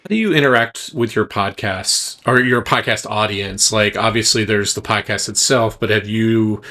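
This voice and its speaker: A man with a slightly low voice interviews a guest. He is casual and wordy, working his way through long questions that wander as they build. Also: moderate pace, pushed and bright. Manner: rambling, long-winded questions. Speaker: interviewer, podcast host.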